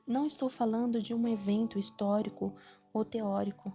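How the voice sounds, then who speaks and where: A woman with a Brazilian Portuguese accent reading a Christian devotional audiobook in an earnest, steady way. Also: a little high, moderate pace. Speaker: audiobook narrator. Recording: reading over clear background music. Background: music.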